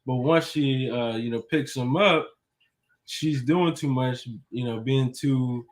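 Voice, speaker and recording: A man co-hosts a live relationship advice stream in laid-back casual chat. He talks in halting runs with plenty of fillers, greeting viewers by name, at an ordinary mid pitch. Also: poor audio.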